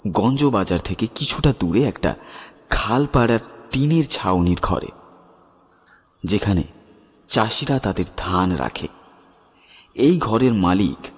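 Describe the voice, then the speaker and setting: A man narrating a scripted horror story dramatically, with suspenseful, weighted pauses. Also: on the low side, big pitch swings, husky. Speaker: narrator and presenter. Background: music with birds and crickets.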